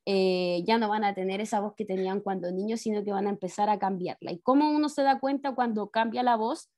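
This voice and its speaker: Speaking a little fast in a warm, medium-pitched voice, a Chilean woman teaches science online from home via her laptop mic. She breaks things down step by step for the pupils, talking to them as kids and tagging a quick check-in question onto each point.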